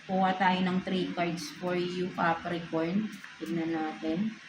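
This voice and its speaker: A woman's voice: fairly low pitch, little pitch movement, takes it slowly, echoey room, background noise. A woman with a Filipino accent giving a casual tarot reading, tagging nearly every phrase with a questioning "no?". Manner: mixes English into Filipino, ends phrases with a questioning "no?". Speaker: tarot reader.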